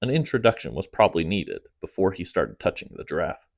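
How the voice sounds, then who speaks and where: A man narrating his own comic audiobook in a fairly low voice. He keeps a steady storytelling pace and lets his voice sink at the ends of phrases, and the recording is close and dry with no room sound. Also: a little fast, creaky, no echo.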